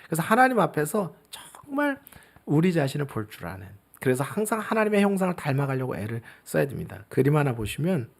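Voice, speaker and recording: A middle-aged male pastor preaching a sermon, swinging between loud emphasis and soft, near-whispered asides. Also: mid-range voice.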